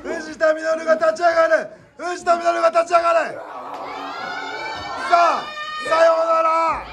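A man calling pro wrestling live in breathless, rising bursts like goal commentary, shouting and repeating his phrases. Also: very high-pitched, little pitch movement, a little slow. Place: small indoor wrestling room. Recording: noisy small room with crowd din.

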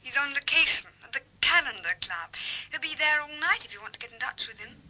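An actress playing a courteous, helpful wife answering the telephone in a radio drama, heard as a distant phone voice. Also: female voice, sits high, lively intonation, fairly quick, background noise.

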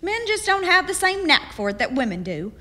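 A woman's voice: very high voice, very animated, fairly quick, bright, forceful tone, full character voice. An actress playing a spirited, persistent, hospitable frontier woman in a period radio drama, earnest, teasing and ready to argue. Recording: long hall-like reverb.

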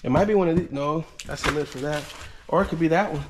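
A man's voice: a little high, quick pace, noisy background. A man in his thirties casually narrating as he digs through boxes in a storage unit, exclaiming over each find. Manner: excited, exclaiming over finds. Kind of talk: casual unboxing commentary.

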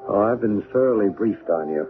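An actor playing a small, mysterious male stranger in a radio drama, earnest and quietly insistent. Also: on the low side, expressive, fairly quick, close to an everyday voice. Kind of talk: 1970s radio drama acting. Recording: narrow tinny old radio broadcast.

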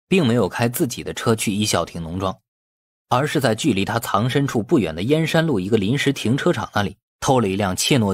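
A man's voice: on the low side, no room sound, studio quality. A man reading a novel aloud as scripted, dramatic audiobook narration.

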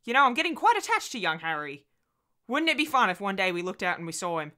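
A woman's voice: medium pitch, big pitch swings, fast, pushed and bright. A woman voicing a good-humoured young husband in an audiobook, breezy, teasing and reassuring. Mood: light, reassuring. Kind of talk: audiobook character voice.

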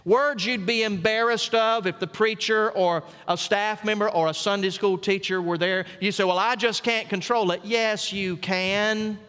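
A middle-aged man, a senior pastor, preaching a sermon with folksy stories and emphatic pauses on key words. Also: high-pitched, fairly even intonation, bright, forceful tone, clear, resonant tone, long reverb tail. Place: church sanctuary.

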